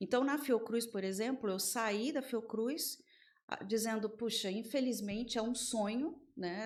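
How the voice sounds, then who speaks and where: A woman with a Rio de Janeiro accent talks at a fairly slow pace in a fairly high pitch with ordinary pitch variation. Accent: Rio de Janeiro (carioca). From Rio de Janeiro, Brazil. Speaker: business mentor and constellation facilitator. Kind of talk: interview.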